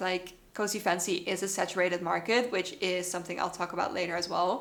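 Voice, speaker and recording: Fairly even intonation and a fairly quick pace, with a Dutch accent. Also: woman. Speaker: YouTuber and aspiring author. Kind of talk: casual Q&A vlog.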